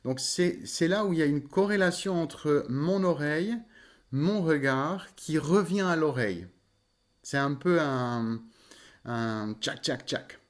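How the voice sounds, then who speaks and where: A man, a voice coach, explaining in an interview and often pausing to search for words. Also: a little high. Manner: thoughtful, searching for words with many fillers. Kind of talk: interview conversation.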